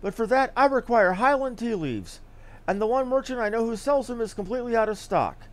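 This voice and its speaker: A man's voice: very high voice, animated, fairly quick. A man voicing a small, flustered, bossy young lady from a video game, chatty and gushing as he reads the dialogue aloud. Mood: coaxing, pushy. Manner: fussy, gushing, exclaiming.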